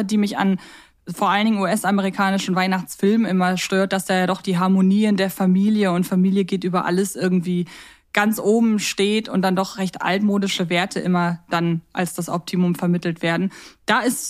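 A woman co-hosting a podcast, giving a review in casual conversation. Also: medium pitch. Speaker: podcast co-host. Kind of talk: casual review chat about audio drama episodes.

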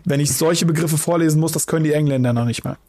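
A man's voice: fairly high pitch, quick pace, a little mellow. A man co-hosting a casual podcast, explaining card game rules in detail with dry ironic asides. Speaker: podcast co-host. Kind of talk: casual podcast chat about card games.

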